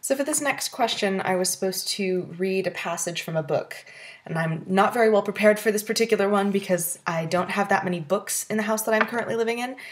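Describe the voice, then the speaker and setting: A woman with an American accent at a very fast pace, medium in pitch with ordinary pitch variation, over noticeable background noise. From California. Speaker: vlogger. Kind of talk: casual vlog.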